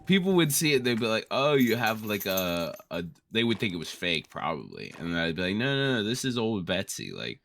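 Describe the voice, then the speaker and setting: A man's voice: on the low side, sing-song, a little fast, creaky, few pauses, fairly bright tone, a little hiss or hum. A man co-hosting casual gameplay chat, telling rambling, sweary stories. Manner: rambling, profane storytelling. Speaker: gaming co-host.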